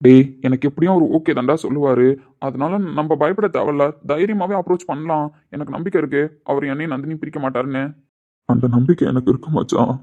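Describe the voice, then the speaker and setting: A playful, teasing young friend, acted by a man in a web drama, speaking with a slightly high voice. The recording is muffled and lo-fi. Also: quick pace, close to an everyday voice. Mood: hopeful. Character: Rohit, a teasing, loyal young male friend. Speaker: actor in a web series. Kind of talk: dramatic dialogue. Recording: dull lo-fi recording.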